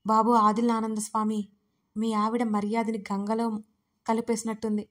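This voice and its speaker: Sardonic young male friend read by a woman, mocking and flat-toned. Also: a little high, normal speed, close to an everyday voice. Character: wry young man, the husband's friend.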